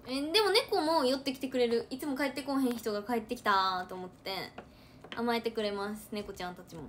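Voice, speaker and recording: Young woman, Kansai accent, fairly high voice; casual livestream chat, animated, loops back over her words. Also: brisk, slight background noise. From Hyogo, Japan. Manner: chatty, animated, repeats words for emphasis. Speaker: idol trainee livestreamer.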